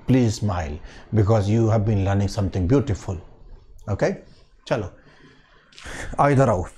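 A man with an Indian accent teaching English idioms in an online exam-prep lecture, switching between Hindi and English, repeating phrases slowly and asking students if they understood. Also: medium pitch, darkish tone. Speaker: English teacher for bank exams.

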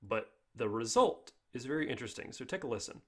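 A man's voice: medium pitch, expressive, a little fast. Male tutorial host, mid-range voice, informal step-by-step explainer. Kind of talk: casual software tutorial narration.

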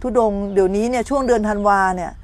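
A woman's voice: mid-range voice, very fast, darkish tone. A middle-aged woman meditation teacher giving a morning dharma talk, telling stories and checking that her listeners follow. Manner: storytelling, acts out complaining voices, checks listeners understand.

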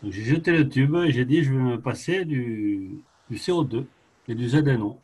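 Man, mid-pitched voice, husky, matter-of-fact, casual group call participant. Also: expressive, moderate pace, darkish tone. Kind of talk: casual online group chat.

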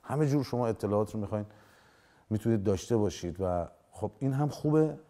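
On a dark television studio set, a forties-aged actor with a lowish, warm, animated voice gives an interview through a lapel mic. He argues emphatically, using his hands and acting out quoted lines as he makes his case.

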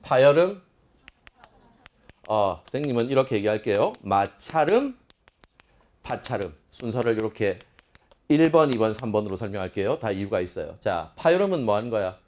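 A man teaching a lively classroom lecture, playfully sounding out speech sounds and firing teasing questions at his students. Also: on the low side, moderate pace, long pauses, a little hiss or hum. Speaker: Korean language teacher.

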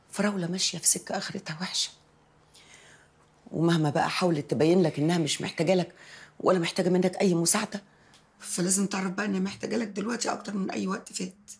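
A woman's voice: lowish voice, steady tone, rapid-fire, gravelly, long pauses, slightly rough, heavily acted. An actress playing a worried woman who cares for the heroine, earnest, with an Egyptian Arabic accent. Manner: earnest, concerned.

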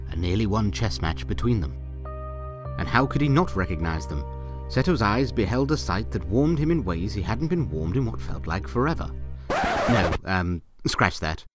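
A man narrating a scripted story in a theatrical, wry manner with ornate phrasing. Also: fairly low pitch.

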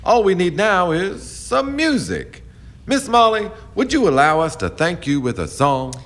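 An actor playing a confident, charming, proud riverboat captain in a radio drama, smooth-talking and self-assured. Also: male voice, high voice, huge pitch swings, unhurried, fairly bright tone, heavily acted. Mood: genial, courtly. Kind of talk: stage-like radio drama acting.

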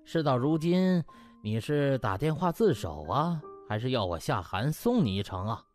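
A man's voice: mid-range voice, big pitch swings, moderate pace, darkish tone, faint music behind, natural voice. A man voicing a scheming hospital director, pompous and officious, in a comic audiobook. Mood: smug, sneering. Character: smug, scheming male hospital director feigning righteousness.

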